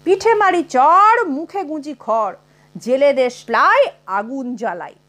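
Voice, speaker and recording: Woman voicing a grumpy male professor, slow mock-grand recitation, high lively pitch, faint mains hum. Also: exaggerated voice. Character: cranky middle-aged male professor writing spiteful verse.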